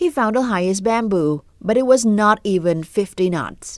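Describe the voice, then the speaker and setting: A woman has an ordinary speaking voice, fairly high in pitch. She speaks at a fairly slow pace with lively intonation. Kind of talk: children's story narration. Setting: studio.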